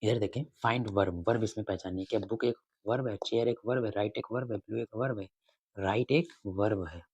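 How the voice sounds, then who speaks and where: A man with a low, slightly husky voice works through exam questions in a casual lesson. He repeats each item and quizzes his listeners as he goes. The recording is close and dry, with no room echo. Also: brisk, darkish tone, dull audio. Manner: repeats questions and answers, asks students rhetorically. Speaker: exam prep teacher.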